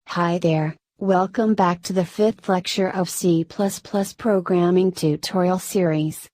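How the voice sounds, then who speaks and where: A woman's voice: lowish voice, measured pace, no echo. Dry, robotic-sounding woman tutor. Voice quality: flat, synthetic-sounding delivery. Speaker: programming tutor. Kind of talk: scripted tutorial narration.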